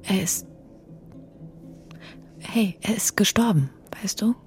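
A woman's voice: mid-range voice, lively intonation, slow, darkish tone, faint music behind. An actress playing a panicky young woman who whispers urgently and harshly in a radio play. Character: panicky young woman, friend covering up a death.

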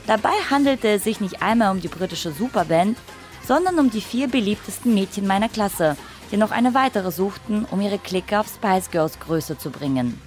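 A woman in her late twenties, from Russia, reading her own first-person essay as calm, measured, wry radio narration. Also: medium pitch. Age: late 20s.

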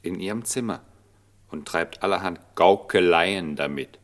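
A man presenting a radio feature, calmly explaining and reading passages aloud. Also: sits low, measured pace.

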